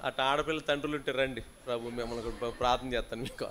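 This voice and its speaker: A man preaching as a pastor at a fasting prayer meeting. He scolds and teases his congregation, calls on them to answer aloud, and moves between soft asides and loud, rising rebukes. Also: medium pitch, steady tone, noisy background.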